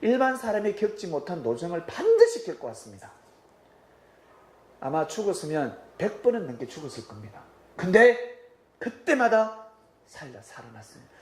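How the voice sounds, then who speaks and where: A male pastor preaching a sermon in a church, telling stories animatedly and acting out voices. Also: high-pitched. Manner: animated storytelling, acts out quoted voices. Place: church sanctuary. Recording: roomy hall with faint ambience.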